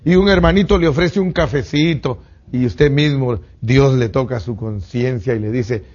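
A man preaching a sermon in an animated way, swinging between loud bursts and hushed asides. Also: mid-range voice, normal speed, slightly rough. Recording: dull lo-fi recording.

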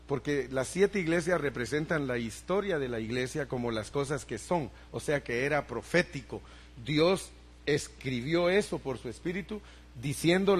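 A man's voice: medium pitch, husky. Older man preaching a sermon. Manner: preaching with rising emphasis and asides to the congregation. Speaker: pastor.

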